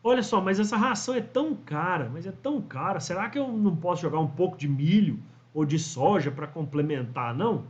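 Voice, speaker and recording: Brazilian man doing a griping amateur fish farmer, high-pitched and exasperated, dull lo-fi sound. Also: lively intonation, fairly quick. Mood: pleading. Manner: exasperated, ranting. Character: frustrated male amateur fish farmer, complaining. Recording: dull lo-fi audio.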